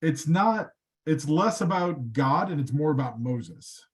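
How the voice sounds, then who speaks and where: A man teaching a study group, explaining texts in a lively, conversational way. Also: on the high side, a little slow.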